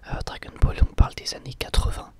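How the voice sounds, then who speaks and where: Softly whispering man, ASMR host. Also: quick pace. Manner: soft-spoken, thoughtful and explanatory.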